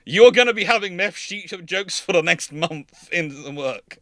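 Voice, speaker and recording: Man, stream host, casual rambling chat, forceful bright tone, close dry sound. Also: sits high, animated, unhurried, no echo.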